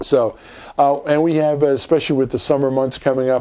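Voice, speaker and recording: A man talks at a fairly quick pace. His tone is dark and mellow. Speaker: town administrator. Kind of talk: civic update. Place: office.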